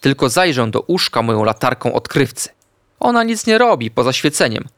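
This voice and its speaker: A gentle badger doctor talks calmly and kindly to a nervous patient, as a man reading a children's story puts him on. His voice moves expressively up and down. The sound is close and dry. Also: medium pitch, moderate pace, no echo. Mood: friendly. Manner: calm, friendly, reassuring. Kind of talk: storybook character voice.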